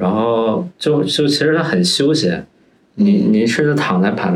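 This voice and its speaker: Intonation is lively as a man speaks. Noticeable background noise runs underneath. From Northeast China. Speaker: company employee sharing travel tips. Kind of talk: casual chat.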